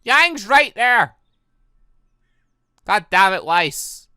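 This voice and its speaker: A young adult gaming host giving excitable, exasperated let's play commentary while reading visual novel dialogue aloud. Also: medium pitch, very slow, smooth, no room sound, clean studio sound. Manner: excitable, exasperated reactions between read lines.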